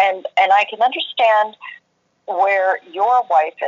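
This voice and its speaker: Her pace is fairly slow. A woman with an unremarkable speaking voice talks at medium pitch. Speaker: yoga teacher. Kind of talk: casual chat.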